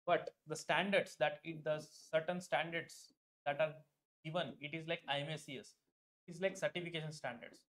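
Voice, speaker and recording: A young man with an Indian English accent and a fairly high voice talks his students through a live online lesson. He leans on "like" as a filler, repeats himself, and calls on viewers by name. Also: fairly even intonation, moderate pace, fairly bright tone. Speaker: online exam tutor. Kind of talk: live-stream lecture.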